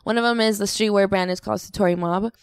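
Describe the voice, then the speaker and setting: Laid-back swearing young woman, smooth voice. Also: mid-range voice, steady tone, quick pace, no echo, clean studio sound. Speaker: rapper guest. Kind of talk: casual interview chat.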